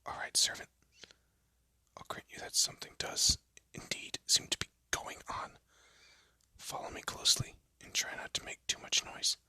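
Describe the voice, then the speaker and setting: A man playing a haughty but secretly soft young elf prince in a scripted roleplay audio drama, with a pompous, formal manner and a breathy, often hushed voice. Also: moderate pace, no echo, whispered. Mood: tense, hushed. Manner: pompous, formal, flustered stammering.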